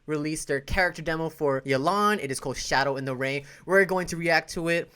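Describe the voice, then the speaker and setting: A man's voice: a little high, brisk, sharp tone, smooth. A young man giving casual, gushing, slangy reaction commentary as a video game YouTuber.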